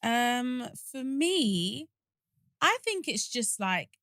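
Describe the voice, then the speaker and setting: A woman's voice: on the high side, sing-song, extremely slow, a bit bright, dry recording, clean studio sound. Sassy young woman podcast co-host. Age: 20s. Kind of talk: casual chat.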